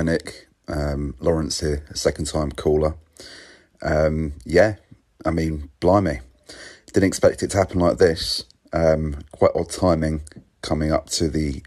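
A man with an extremely low voice leaves a voicemail for a podcast. He is casual but measured, pausing hesitantly as he reflects on what he thinks.

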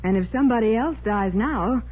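Curious, high-pitched girl sidekick. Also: a little fast, breathy edge. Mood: speculating. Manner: inquisitive, speculating. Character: curious, spirited young female detective's assistant. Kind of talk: 1940s radio crime drama acting. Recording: muffled, noisy 1940s radio recording.

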